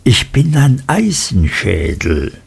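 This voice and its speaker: Male narrator as storybook schoolmaster, wrathful, domineering, self-important, slow, gravelly. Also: medium pitch, wildly swooping pitch, heavily acted. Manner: whispering menace, snapping "hä?" tags, repetitive self-important boasts. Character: cruel, wrathful old schoolmaster, menacing and domineering.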